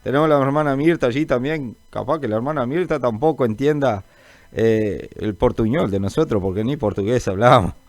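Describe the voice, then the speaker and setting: Chatty radio preacher, dry sound. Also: male voice, mid-range voice, fairly quick, darkish tone, no room sound. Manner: chatty, greets listeners by name, calls them brother; informal, rambling, many fillers. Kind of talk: live call-in gospel radio chat.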